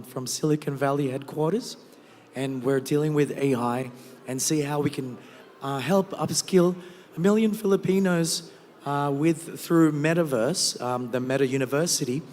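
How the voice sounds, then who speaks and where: A hoarse man giving a halting guest talk on stage, with many fillers. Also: a little high, a little mellow. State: hoarse, lost his voice. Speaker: guest speaker. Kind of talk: stage speech. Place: large event hall. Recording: long hall reverb.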